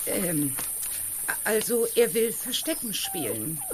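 A woman's voice: a little high, wildly swooping pitch, takes it slowly, a little mellow, slight background noise, heavily acted. An actress playing a flustered, hesitant, stammering woman in a children's audio drama. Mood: flustered, startled. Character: flustered woman translating what animals say.

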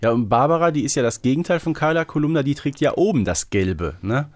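A man's voice: mid-range voice, lively intonation, fast, darkish tone, dry recording. A man co-hosting a podcast, talking casually and loosely with frequent tag questions. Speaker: podcast co-host. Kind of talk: casual conversational podcast discussion.

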